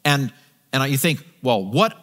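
A man's voice: mid-range voice, expressive, unhurried, fairly bright tone. A middle-aged man preaching a sermon from a church stage, walking and gesturing, talking conversationally with frequent restarts and repeated words. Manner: conversational, walks the stage, gesturing with a Bible in hand. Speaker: pastor. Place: large church stage with a live congregation. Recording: long reverb of a large sanctuary.

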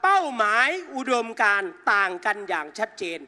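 High, forceful male rally speaker. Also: very animated, moderate pace. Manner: combative, mocking, addresses the crowd as brothers and sisters. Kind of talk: fiery political rally speech. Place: outdoor rally stage in a park.

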